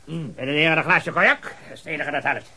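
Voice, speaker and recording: An actor playing a jovial, talkative, hard-of-hearing old retired colonel who rambles heartily in a radio drama. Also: male voice, a little high, quick pace, pushed and bright, slightly rough, full character voice. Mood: hearty, sociable. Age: older. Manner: rambling, hearty, with repeated affirmations and chuckles.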